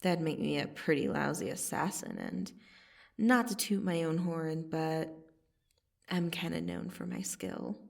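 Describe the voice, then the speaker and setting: Casting: woman to voice female vampire assassin, ASMR audio drama. Gravelly fry, sardonic and casually threatening, slightly off-mic. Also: deep voice, big pitch swings, distant mic, heavily acted. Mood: amused, condescending. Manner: slow, casual, sardonic delivery with long pauses. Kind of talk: ASMR roleplay monologue to the listener.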